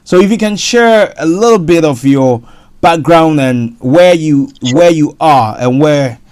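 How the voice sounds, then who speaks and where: A man hosting a radio property show, interviewing a guest in a halting way, often repeating words. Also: on the high side, expressive, darkish tone, clean tone. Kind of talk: casual interview.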